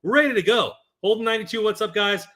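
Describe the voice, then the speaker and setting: Male podcast host, higher pitch, bright tone, upbeat hype delivery. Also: fast talker. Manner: energetic, hype-building. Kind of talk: casual podcast chat.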